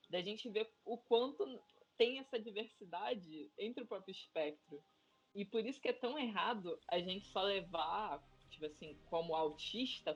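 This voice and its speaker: A woman's voice: medium pitch, husky. A Brazilian woman, a teacher, talking animatedly in a casual podcast discussion. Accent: Brazilian Portuguese. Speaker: podcast panelist. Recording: dull lo-fi audio.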